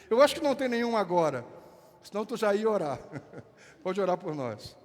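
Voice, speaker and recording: Fervent high-voiced gaúcho pastor. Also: male voice, sing-song. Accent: gaúcho Brazilian Portuguese. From Rio Grande do Sul, Brazil. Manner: fervent, drawn-out prayer lines, playful banter. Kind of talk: prayer and church announcements. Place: church sanctuary with worship music. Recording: reverberant hall with music behind.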